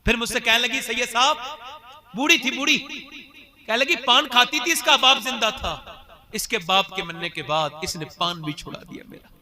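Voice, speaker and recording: A man preaching an emotional storytelling sermon, acting out the voices of the people in his stories and calling out loud pious exclamations. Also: very high voice, moderate pace. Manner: acts out quoted speakers in dialogue; swells loudly on pious exclamations. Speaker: Muslim preacher.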